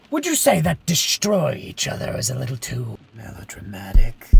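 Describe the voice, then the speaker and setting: A man does a put-on character voice at a medium pitch. He keeps a moderate pace over music in the background. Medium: short film. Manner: chatty, mocking, theatrically friendly.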